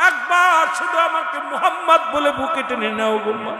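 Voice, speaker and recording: High, bright preacher chanting. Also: male voice, animated, normal speed. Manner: swings from low storytelling to sung, shouted wailing. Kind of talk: chanted sermon. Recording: echoey hall with music behind.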